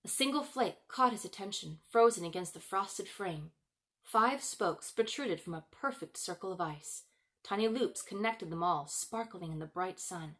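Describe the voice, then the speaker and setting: A woman author hosting her own video, with expressive storybook narration and chatty vlog talk. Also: medium pitch, normal speed.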